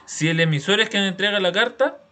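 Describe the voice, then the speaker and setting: A man's voice: high-pitched, a little fast, sharp tone, a little hiss or hum. A man with a Chilean accent teaching a class, explaining step by step with examples and frequent check-in questions.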